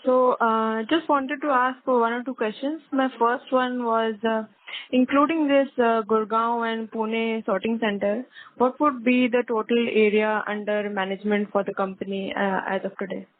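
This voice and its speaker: A woman's voice: a little high, fairly even intonation, normal speed. A woman, a financial analyst, asking polite, formal questions on an earnings call. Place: conference phone call. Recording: narrow tinny phone line.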